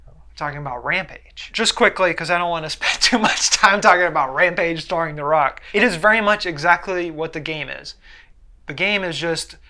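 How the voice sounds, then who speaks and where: A male co-host with a fairly high, bright and forward voice. He talks casually about pop culture, with a wry, matter-of-fact manner. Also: moderate pace. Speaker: co-host of a film discussion show.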